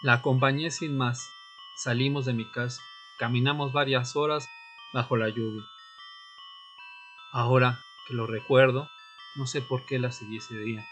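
Casting: male actor as solemn vampire seeking answers, mid-pitched forceful voice, radio drama over music. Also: little pitch movement, close to an everyday voice. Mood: brooding, solemn. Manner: solemn, deliberate storytelling in short phrases. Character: brooding male vampire, former history student, seeking answers. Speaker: narrator and lead actor. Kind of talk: audio drama narration and dialogue. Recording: music bed under the voice.

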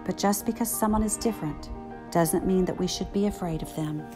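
Picture book grandmother, read by a woman: reassuring, instructive, gently encouraging, faint music underneath. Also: fairly low pitch, a little fast, voice pushed down, natural voice. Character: kind, reassuring grandmother teaching her granddaughter.

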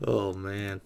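A young man giving casual, excitable reaction commentary on a game, echoing the lines he hears. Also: low voice, creaky. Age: young adult. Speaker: gaming reaction streamer. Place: small dark room indoors.

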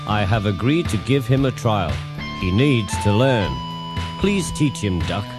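A man plays a stout railway boss, formal and polite. He speaks slowly, not far from the narrator's own low voice, with loud music behind him. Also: animated.

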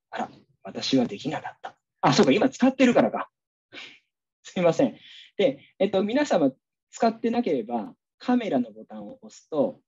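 Husky man teaching over a video call. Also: a little high, darkish tone, dull audio. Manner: casual, chatty, frequent fillers. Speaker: teacher presenting a workshop. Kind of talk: online teaching workshop demo.

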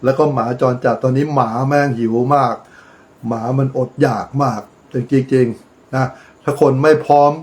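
This middle-aged man's voice is medium in pitch and darkish, with fairly even intonation and a normal speed. He talks politics casually on his own channel, cursing freely and being blunt and crude. He lectures, handing out preachy advice.

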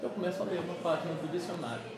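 A man in his fifties from Pernambuco, Brazil, telling stories in a chatty, animated way during an interview, often checking that his listener follows along. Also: on the high side, very fast, heavy reverb, crowd noise, low-quality recording. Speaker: musician guest. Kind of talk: casual interview. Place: small office meeting room. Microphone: camera across the table.

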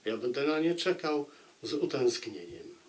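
A man talks to his viewers about a book in the manner of a storyteller. His delivery is unhurried, with deliberate pauses between phrases. The intonation swings widely, keeping the narration lively. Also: mid-range voice. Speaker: book reviewer and audiobook narrator. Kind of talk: book review, addressing viewers.

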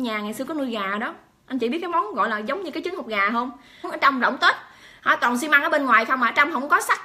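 Woman, vlogger, high bright voice, rapid, exclamatory, rhetorical questions. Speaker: vlogger addressing viewers. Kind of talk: emphatic monologue to camera.

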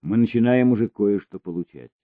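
A calm male handler speaks softly and reassuringly, his voice low and steady, as a man reading the book puts him on. The recording is dry and tinny, like a phone line. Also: fairly quick, dry recording, close to an everyday voice. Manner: soft, reassuring.

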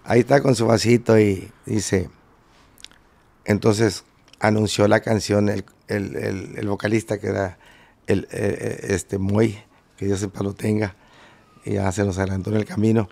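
Brief: male guest musician, gravelly texture, rambling storyteller. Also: fairly low pitch, level tone, normal speed, dark tone. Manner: rambling anecdotes with many fillers and restarts. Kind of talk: casual interview storytelling.

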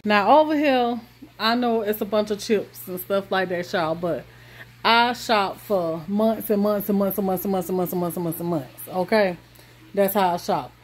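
A woman vlogger, walking through her groceries in a home kitchen and listing items slowly, with many ums and pauses. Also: mid-range voice. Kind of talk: casual grocery haul walkthrough.

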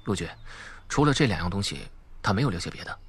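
A man voicing a subdued plainclothes police officer in an audiobook, reporting quickly and matter-of-factly to his chief. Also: low-pitched, sing-song, fairly bright tone, breathy edge, no echo, heavily acted. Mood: businesslike, subdued.

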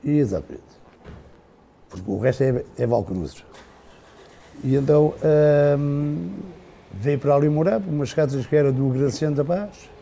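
An older Portuguese man, a podcast guest, slowly recalling his family's past in a halting, unhurried way with many restarts. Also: on the high side, creaky, dark tone, slight background noise. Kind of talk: casual reminiscing.

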